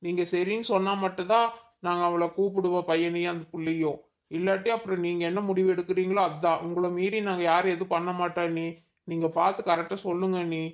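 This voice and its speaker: A high, flat Kongu village relative. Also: male voice, highs cut off. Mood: earnest. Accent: Kongu Tamil. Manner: slow, earnest pleading. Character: village relative, steady family mediator.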